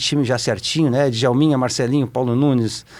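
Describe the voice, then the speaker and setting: Talking at a very fast pace, a man with a southern Brazilian accent keeps a medium pitch and fairly even intonation. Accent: gaúcho Brazilian Portuguese. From southern Brazil, Porto Alegre. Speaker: former footballer. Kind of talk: casual interview. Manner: halting, many repetitions.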